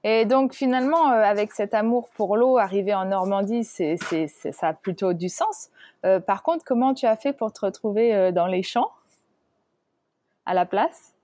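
A woman's voice: medium pitch, normal speed, mellow. A woman interviewing a guest casually, asking friendly, slightly hesitant questions.

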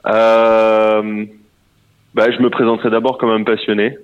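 A man's voice: fairly low pitch, little pitch movement, a little slow, clear, resonant tone. A man in his thirties from Normandy, a winery manager speaking over the phone and hesitating with many fillers and restarts. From Normandy, France. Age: 30s. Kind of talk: phone interview. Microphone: telephone. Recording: muffled phone line.

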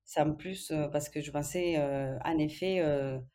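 A woman in her thirties with a notably low voice. She speaks as a podcast guest, halting and full of fillers and restarts as she finds her words. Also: dark tone. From Spain. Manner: hesitant, many filler sounds and restarts. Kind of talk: casual conversational interview.

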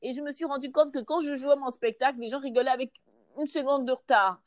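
A woman's voice: high-pitched, fast talker, no echo. A woman with an Ivorian French accent, a guest actress in a casual interview, telling stories and slipping into other voices and accents. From Côte d'Ivoire. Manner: lively storyteller, imitates accents and voices.

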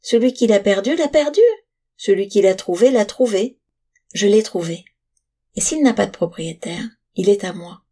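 A woman's voice: medium pitch, moderate pace, dark tone, natural voice. A woman voicing an earnest, stubborn poor boy who pleads and insists, in a storybook reading. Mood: insistent.

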